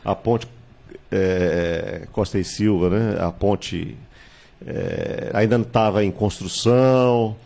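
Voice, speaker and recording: A man, a candidate recounting his life in a studio interview, measured and reminiscing, with hesitations and tag questions, on a handheld mic. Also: fairly low pitch, gravelly, dark tone. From Salvador, Bahia, Brazil. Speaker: political candidate, guest. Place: small TV studio with virtual set.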